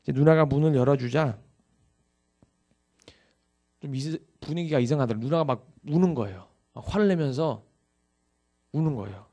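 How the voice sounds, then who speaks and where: Warm-voiced young male pastor preaching. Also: fairly high pitch, normal speed, long pauses. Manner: confessional storytelling turning into earnest exhortation. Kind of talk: dawn service sermon with personal testimony.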